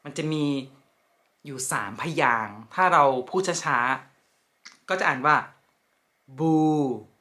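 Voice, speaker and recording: A woman leads a pronunciation lesson, going over each word with slow, careful repetition. Her delivery is extremely unhurried and drawn out. Her tone is bright and forward. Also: low-pitched, animated. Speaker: French language teacher.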